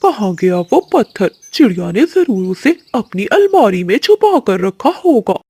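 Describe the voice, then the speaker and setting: A woman's voice: medium pitch, very animated, measured pace, a little mellow, husky, dry recording. A woman voicing a greedy, lazy male crow in a cartoon. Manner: stammers when scared.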